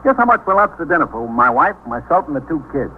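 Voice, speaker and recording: A lively, chatty police lieutenant. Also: male voice, fairly high pitch, fast talker. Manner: chatty, animated. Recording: tinny old radio recording with faint hiss.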